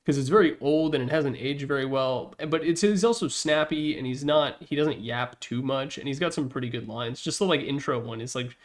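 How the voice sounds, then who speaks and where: A man's voice: mid-range voice, brisk, hardly any pauses. A man hosting a gaming video with casual, unscripted tier-list commentary, rambling along in a jokey, self-deprecating way.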